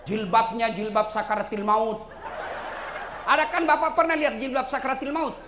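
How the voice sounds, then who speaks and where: A man preaching a humorous sermon to a crowd, acting out the voices in his stories and shouting his punchlines. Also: very high voice, flat delivery, normal speed. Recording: echoey hall with faint noise.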